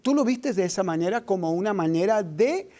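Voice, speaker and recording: A man's voice: sits high, animated, brisk. A man hosting a Christian interview program, reading scripture earnestly and then questioning his guests. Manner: reads scripture aloud, then asks questions warmly and earnestly. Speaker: host.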